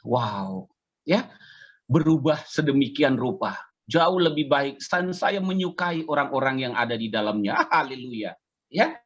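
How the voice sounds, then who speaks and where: A man's voice: mid-range voice, fairly bright tone, dull audio. A man in his fifties, a pastor, giving a chatty, conversational sermon over a video call and drawing amens from his listeners. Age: 50s. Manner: conversational, chatty preaching with audience call-and-response.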